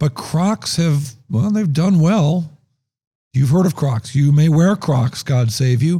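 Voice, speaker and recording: A man's somewhat breathy, dark, mellow voice with lively intonation at a fairly slow pace. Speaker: podcast host. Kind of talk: casual chat.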